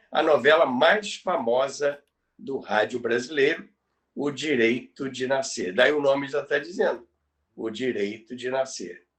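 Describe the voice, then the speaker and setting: A man's voice: mid-range voice, recorded from a distance. An older man with a Brazilian Portuguese accent co-hosting a podcast in conversational commentary, often repeating phrases for emphasis. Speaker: podcast co-host telling radio history.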